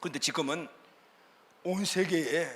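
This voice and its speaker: This man's voice sits at a high pitch. Room echo is audible. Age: 70s. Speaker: pastor. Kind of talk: sermon.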